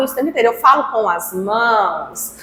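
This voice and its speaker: A woman speaks with a Minas Gerais accent and ordinary pitch variation. Her pace is fairly quick. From Brazil, Minas Gerais. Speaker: podcast co-host, social worker and consultant. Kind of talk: casual podcast chat. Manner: animated, laughs mid-sentence.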